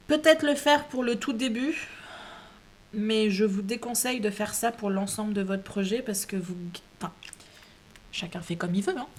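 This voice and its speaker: A woman's voice: medium pitch, a little mellow. A woman hosting a casual craft tutorial at home, chatty, with many hesitations and restarts. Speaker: craft video host.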